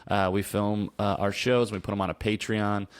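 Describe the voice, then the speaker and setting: A man's voice: lowish voice, level tone, moderate pace, clean tone, no room sound, clean studio sound. A man chatting as a podcast guest, rambling and self-deprecating, with lots of filler words. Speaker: podcast guest, improv performer. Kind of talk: casual chat. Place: Los Angeles.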